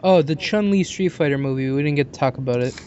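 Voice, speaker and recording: A man's voice: fairly high pitch, fast, a little mellow. A man hosting a podcast in a casual, chatty style. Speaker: podcast host. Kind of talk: casual chat. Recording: dull lo-fi voice chat, noisy.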